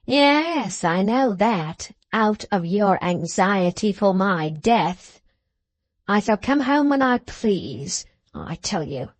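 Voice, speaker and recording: A woman voicing a malicious, gleeful dwarf husband from a storybook, taunting with drawn-out, emphatic words. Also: mid-range voice, big pitch swings, no room sound. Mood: mocking, spiteful.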